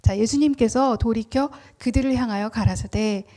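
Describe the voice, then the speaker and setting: Female preacher, high-pitched, animated sermon delivery with rhetorical questions. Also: normal speed. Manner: animated, acts out quoted words, asks the congregation questions. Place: church.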